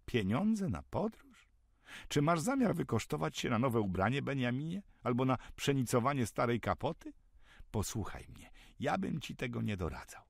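A man's voice: medium pitch, sing-song, normal speed, vocal fry, dry recording, studio quality. A man voicing a simple, good-natured, henpecked village man who speaks in an easygoing, folksy way.

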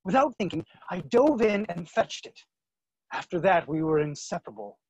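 Man as a husky, lovestruck young nobleman. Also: high-pitched, big pitch swings, moderate pace, darkish tone, no room sound, lo-fi sound, full character voice. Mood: wistful. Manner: earnest, romantic. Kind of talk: stage play reading. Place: room at home, video call.

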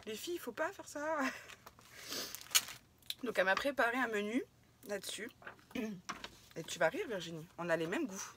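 A woman's voice: medium pitch, lively intonation, moderate pace, long pauses, noisy background. A middle-aged woman chatting casually while unboxing crafts for her viewers, effusive and often laughing through tears. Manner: laughing and tearful, effusive exclamations. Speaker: scrapbooking vlogger unboxing a swap.

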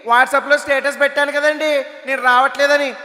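Innocent housemaid, slow cheeky replies, a male mimic playing her, stage reverb. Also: extremely high pitch, level tone, sharp tone, pitched above the performer's own voice, full character voice. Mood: naive. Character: simple-minded housemaid, woman, innocent and cheeky.

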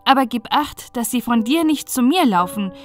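A woman's voice: on the high side, animated, moderate pace, faint music behind, lightly acted. A woman voicing a bossy, disdainful meadow in a fairy tale, with a haughty, warning manner.

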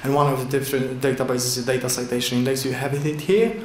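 A man giving a slide talk at a conference from a podium, in halting with frequent fillers and restarts. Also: mid-range voice, level tone, a little hiss or hum. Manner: halting non-native English with many fillers and restarts. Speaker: conference presenter. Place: large indoor conference hall. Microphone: lectern microphone at a podium. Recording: echoey hall with faint ambience.

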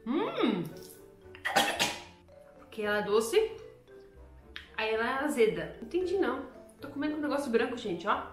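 A woman's voice: high-pitched, sing-song, measured pace, long pauses, over music. Chatty brazilian woman in an echoey kitchen. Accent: Brazilian Portuguese. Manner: chatty and playful, joking asides to viewers. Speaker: YouTuber testing products. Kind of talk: casual product-testing chat to camera.

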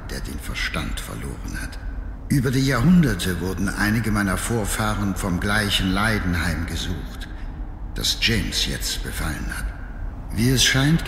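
An actor playing a weary, haunted old nobleman in a video game, reading his diary in a solemn, deliberate, theatrical way. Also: on the low side, fairly bright tone, roomy sound, big-room sound, slight background noise, exaggerated voice. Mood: troubled. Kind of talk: dramatic scripted diary narration.

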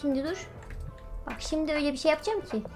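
A woman's voice: sits high, fast talker, over music. A woman giving playful, chatty commentary on her gameplay as a YouTuber, joking at other players. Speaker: gaming YouTuber.

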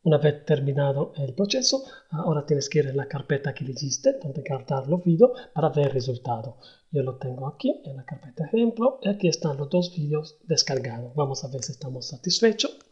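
A man giving a hesitant step-by-step software tutorial, with many pauses and fillers. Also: fairly high pitch, very animated. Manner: hesitant, many ums and ers. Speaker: tutorial host. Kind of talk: screen-recorded software tutorial. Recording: dull lo-fi voice-over.

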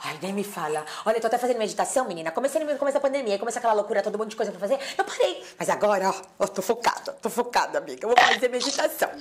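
A woman's voice: on the high side, expressive, very fast, few pauses, lightly acted. A Brazilian woman playing a frazzled, would-be spiritual female clown, gushing and dramatic, in a comedy sketch. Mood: earnest. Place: bare tiled room indoors. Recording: echoey room, faint noise.

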